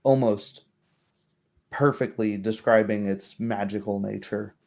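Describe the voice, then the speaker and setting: Man, game master, descriptive tabletop narration, measured delivery, dark relaxed tone, lowish pitch. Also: gravelly.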